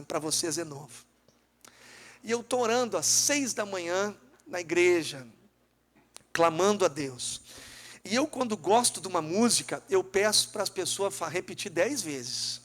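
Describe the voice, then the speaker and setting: High-voiced gaúcho pastor testifying. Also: male voice, a bit bright. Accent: Gaúcho Brazilian Portuguese. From Rio Grande do Sul, Brazil. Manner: fervent, acts out dialogue, addresses listeners directly. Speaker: businessman and pastor giving testimony. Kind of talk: emotional spoken testimony. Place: restaurant dinner event.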